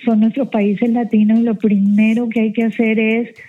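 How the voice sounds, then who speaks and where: A woman's voice: fairly high pitch, level tone, moderate pace. A woman from Colombia, guest on a show, giving firm advice over the phone. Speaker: guest, event organizer. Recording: tinny phone line.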